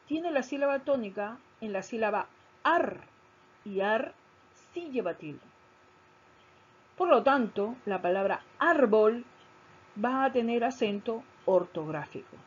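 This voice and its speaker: A woman teacher giving a recorded grammar lesson, explaining slowly, stressing key syllables and repeating her points. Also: fairly high pitch, slightly rough. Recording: dull lo-fi recording.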